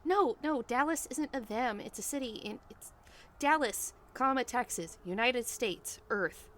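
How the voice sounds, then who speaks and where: A woman's voice: on the high side, expressive, unhurried, fairly bright tone, a little hiss or hum. A woman playing a frantic, brash, rambling newcomer stranded in hell in a comedic audio drama. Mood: panicked, confused.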